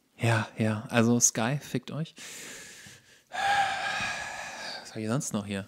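A man is speaking. His pace is very slow. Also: long, frequent pauses. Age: 30s. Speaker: podcast co-host, actor. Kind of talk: casual chat.

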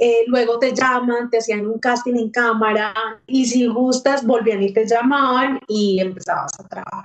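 A woman talks at a moderate pace. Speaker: remote interview guest. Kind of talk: interview answer. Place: home room. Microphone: video call.

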